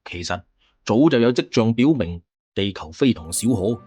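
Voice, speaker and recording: A male audiobook narrator with a Cantonese accent tells a fantasy tale dramatically. His voice is husky and moves through wide pitch swings, with music playing underneath. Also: lively intonation, normal speed, darkish tone.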